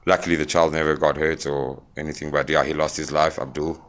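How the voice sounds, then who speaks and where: Brief: young South African man, very low voice, smooth and clear, frank interview guest. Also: level tone. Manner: plain-spoken, halting with fillers. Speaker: podcast guest. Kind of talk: candid interview storytelling.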